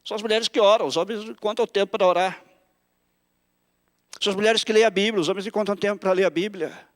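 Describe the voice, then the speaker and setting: A man's voice: high-pitched, quick pace. A man preaching a humorous sermon in a church, acting out quotes in shifting voices. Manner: animated, jokes and acts out quotes in shifting voices. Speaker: pastor.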